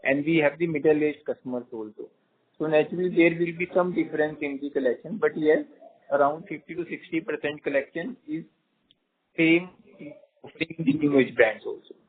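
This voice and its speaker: Husky Indian businessman on a muffled call. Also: a little high, moderate pace. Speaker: company executive. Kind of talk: answering investor questions on an earnings call. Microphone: conference phone line. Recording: muffled narrow-band conference call.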